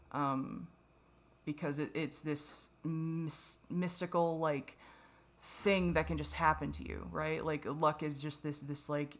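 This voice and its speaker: Woman vlogger, lowish voice, raw confessional to-camera ramble, curses a lot, trips over her own sentences. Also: a bit bright. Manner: rambling, self-critical, profane, frequent restarts.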